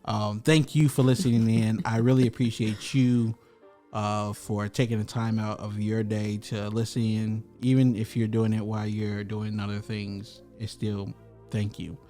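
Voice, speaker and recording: A young adult man hosting a podcast in a casual, polite and measured way. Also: lowish voice, flat delivery, mellow, faint music behind. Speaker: podcast host. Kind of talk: casual chat and podcast sign-off.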